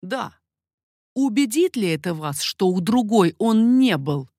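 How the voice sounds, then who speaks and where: A woman voicing an amorous, confident king in a storybook reading, lowering her voice and speaking slowly and insistently. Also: lively intonation, dark tone, dry recording, studio quality. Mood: slow persuasive. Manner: low, slow, insistent. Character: amorous middle-aged man, a king, confident and ardent.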